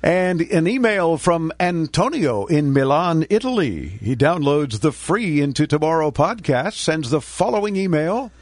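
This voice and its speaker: A man's voice: a little high, very animated, measured pace, few pauses, no room sound. Dry-sounding male radio host. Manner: chatty, joking asides. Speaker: radio tech show host. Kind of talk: casual radio talk.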